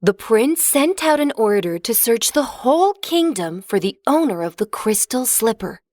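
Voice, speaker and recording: A woman narrating a children's fairy tale in a clear, expressive storybook reading. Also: fairly high pitch, moderate pace, no room sound, studio quality.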